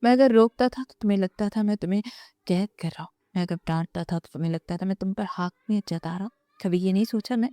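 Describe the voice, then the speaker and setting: A woman voicing a brooding, proud young husband who speaks curtly and with quiet bitterness. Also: medium pitch, no room sound, close to an everyday voice. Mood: hurt, bitter.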